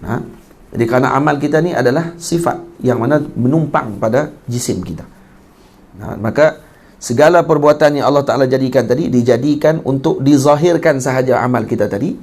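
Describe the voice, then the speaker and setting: A man with a Kedah Malay accent giving a sermon as a religious teacher, teaching with animated emphasis and slowly chanting classical Arabic text. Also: mid-range voice.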